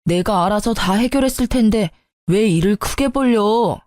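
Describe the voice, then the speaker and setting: A woman's voice: medium pitch, normal speed, darkish tone, dry recording, studio quality, lightly acted. A woman playing a defensive husband. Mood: accusing. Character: defensive self-justifying young husband.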